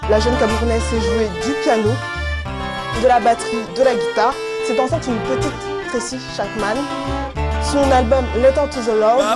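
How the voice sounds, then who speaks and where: A woman presenting a music column on a TV news show, with a lively scripted delivery. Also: fairly high pitch, normal speed. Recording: loud music bed. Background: guitar music.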